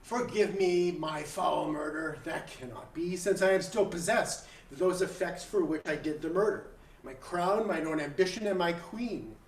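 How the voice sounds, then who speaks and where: A man's voice: a little high, natural voice. A man playing a guilt-ridden, murderous king praying in torment, declaiming a classical stage monologue in verse. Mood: anguished reasoning. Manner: declamatory, classical verse delivery with long pauses. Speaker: acting student. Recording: echoey room, distant mic, online stream.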